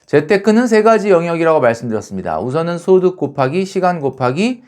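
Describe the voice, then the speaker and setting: A middle-aged man hosting a personal finance channel, giving a measured, scripted lecture that moves step by step with frequent markers like "so, now". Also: fairly high pitch, very animated, a little mellow. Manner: measured explainer, frequent "자" to mark steps.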